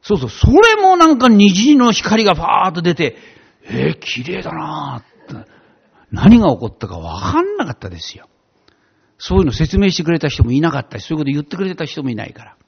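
A man preaching and telling his own testimony in a heartfelt, animated way, on a dull lo-fi recording. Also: high voice, fast talker, breathy edge. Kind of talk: personal testimony sermon.

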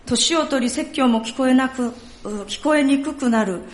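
A woman leading a church service, speaking in a polite, formal and measured way. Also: sits high. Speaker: church worship leader. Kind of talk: sermon talk at a church service. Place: church sanctuary. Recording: echoey church hall, faint noise.

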